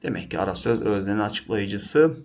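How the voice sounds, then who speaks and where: A man's voice: on the low side, animated, moderate pace, vocal fry, darkish tone. A man teaching a lesson, working through test questions by asking and answering them himself and often addressing his students. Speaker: Turkish teacher.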